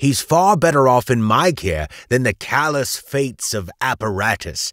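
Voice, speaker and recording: A man performs a booming, put-on character voice at a fairly slow pace. The recording is very clean, with a silent background. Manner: pompous, scornful, menacing.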